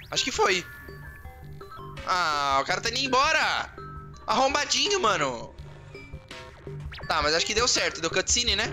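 A high-voiced man with a Brazilian Portuguese accent narrates his game as he plays. His pitch leaps around as he swears and talks to himself, and loud game music plays under him. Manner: excitable, swears often, talks to himself and the viewers. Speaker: gamer. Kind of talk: let's play commentary.

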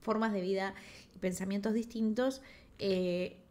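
A woman's voice: medium pitch, fairly even intonation, measured pace, a little mellow. A young woman with a Rioplatense accent gives casual reaction commentary, talking straight to her viewers in a conversational way. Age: young adult. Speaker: streamer reacting to a news video. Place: home room, indoors. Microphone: desk microphone with headset on.

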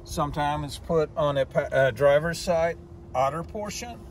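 A man's voice: fairly high pitch, normal speed, a little hiss or hum. An older man, a mechanic, explaining car features step by step in a plain, methodical way, with small slips. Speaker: master diagnostic technician. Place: outdoors in a dealership parking lot, then inside a car.

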